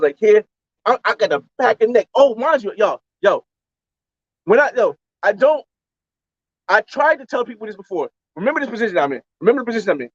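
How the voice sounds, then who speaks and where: A man with a high voice for his sex tells a long story in loose, slangy talk, circling back to repeat himself. The sound is dry and a little dull and lo-fi. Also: no echo. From United States. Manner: rambling, slangy, repeats phrases. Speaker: travel vlogger. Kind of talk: casual storytelling on a livestream.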